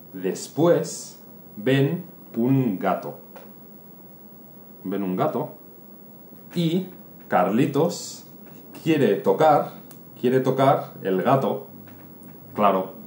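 Teacher guy, super slow storytelling for learners, animated, echoey room, faint hiss. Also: fairly low pitch. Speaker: Spanish teacher. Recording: roomy room, faint noise.

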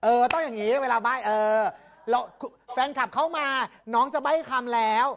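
A young woman hosting a live fan stream, teasing and guessing words loudly in a casual game. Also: on the high side. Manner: lively, teasing, guessing loudly with quick laughs.

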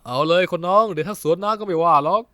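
A man's voice: high voice, fast talker, sharp tone, no echo, clean studio sound. A man voicing an easygoing middle-aged uncle who talks in a laid-back, good-natured teasing way.

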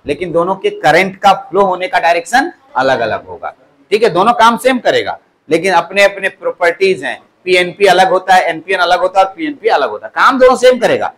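A man's voice: high-pitched, sing-song, fairly quick, a bit bright. A male polytechnic teacher giving a classroom lecture, repeating key words back to his students as questions. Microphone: clip-on mic at the waist.

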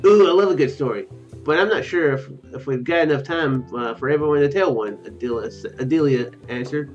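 A brisk young man with a voice on the high side and a darkish tone streams a video game, reading its text aloud and rambling into jokes in casual let's play commentary. He's in a small room at home, heard through a dull lo-fi mic with game music in the background.

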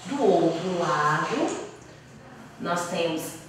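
A Brazilian primary school teacher, a woman, slowly explaining a lesson for young children and sounding out syllables. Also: on the low side, lively intonation, fairly bright tone, slight background noise. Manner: slow, patient, sounds out syllables. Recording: echoey room, voice from a distance.

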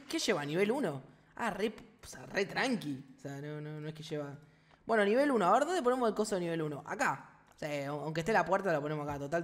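A young man with a Rioplatense Spanish accent doing casual, excitable gameplay commentary full of slang, talking straight to his viewers. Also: high-pitched. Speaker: gaming youtuber.

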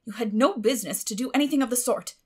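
A woman's voice: on the high side, quick pace, husky. Woman playing a stern, strict farm woman. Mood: stern, sharp. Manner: sharp, grim, clipped scolding.

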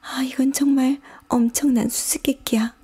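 A curious little girl in whispered role-play, as a woman puts her on, breathy and hushed, questioning herself in bewilderment. Her voice lifts well above a grown woman's own, light and girlish. The whisper is soft and airy, mellow rather than bright. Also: high voice, steady tone, moderate pace, pitched above the performer's own voice. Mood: bewildered. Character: curious puzzled little girl, easily upset.

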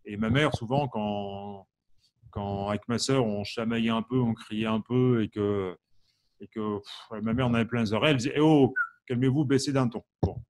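A man's voice: lowish voice, fairly even intonation, moderate pace. A man from the Champagne region of France teaching harmonica in a live online lesson, quizzing viewers and reading their answers out by name. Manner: asks the audience questions, many fillers.

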